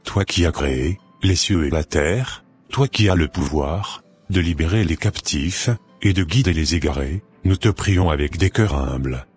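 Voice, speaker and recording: A man's voice: deep voice, a little slow, soft background music. A man playing a devout, earnest Christian who speaks solemnly and formally in a scripted Christian cartoon. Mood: solemn prayer. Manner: formal, solemn prayer delivery.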